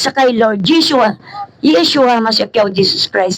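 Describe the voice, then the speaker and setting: Over noticeable background noise, a woman speaks at a fairly slow pace with very wide pitch swings, in a dry, close sound with no echo. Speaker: street evangelist. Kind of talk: street preaching. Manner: hesitant with fillers.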